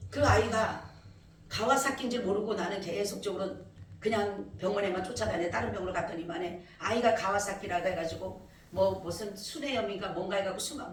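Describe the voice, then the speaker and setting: A woman pastor giving an emotional testimony sermon, telling her story with animated, often rising speech. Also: a little high, distant mic. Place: church service. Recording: echoey church from afar, faint noise.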